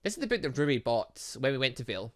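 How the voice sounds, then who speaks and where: A man's voice: mid-range voice, sing-song, fast talker. A man giving casual let's play commentary on a visual novel, chatting and thinking aloud as he plays and reading bits of game text. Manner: chatty, thinking aloud, muttering asides to himself. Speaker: gaming channel host playing a visual novel.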